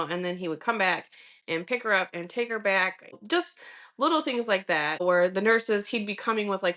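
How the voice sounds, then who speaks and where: In a relaxed podcast interview, a woman from Michigan in her forties thinks back on family life. She speaks in a mid-range, fairly bright voice, reflective and peppered with "um" and "you know."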